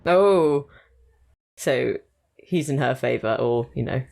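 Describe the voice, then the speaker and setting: A young woman giving casual, chatty reaction commentary while watching an episode, thinking aloud in quick asides. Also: rumbling low, vocal fry, a little mellow. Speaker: reaction video host.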